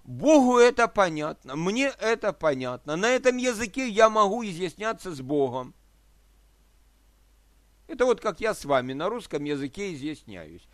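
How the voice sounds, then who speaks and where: A man's voice: high-pitched, big pitch swings, moderate pace, no echo, studio quality. A man preaching a sermon, explaining scripture with worked examples, rhetorical questions and checks that his listeners follow. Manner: asks listeners for agreement.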